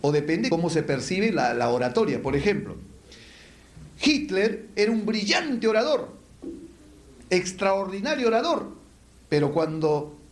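A man teaching public speaking to a live audience, asking rhetorical questions and answering them with lists. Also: a little high. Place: lecture hall with an audience. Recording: echoey room.

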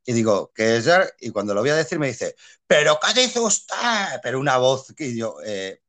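Male actor, Spain Spanish accent, animated anecdote-teller, medium pitch. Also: brisk. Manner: animated storyteller, laughs often, many fillers and repeats. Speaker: actor guest. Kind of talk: casual interview chat.

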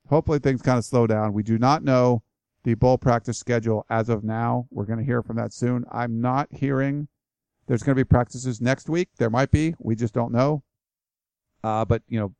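A man talks through listener questions on his own podcast, casual and rambling, full of restarts and "you know"s. His voice is gravelly yet smooth and resonant, and it sounds worn from a long session. The close mic leaves the sound very dry. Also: medium pitch, mellow, no echo. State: voice tiring. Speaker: podcast host.

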